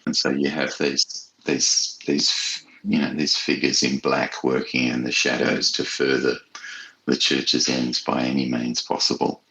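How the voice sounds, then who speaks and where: A man being interviewed as an author, speaking in a thoughtful, measured and hesitant conversational way. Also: very deep voice, completely flat delivery, gravelly, pushed and bright, poor audio.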